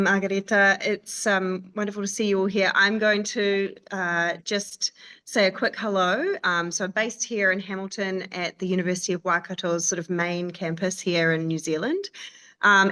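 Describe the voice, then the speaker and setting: A woman's voice: mid-range voice, a bit bright, clear, resonant tone. A woman from a university staff giving a brief friendly introduction on a video call, with frequent fillers.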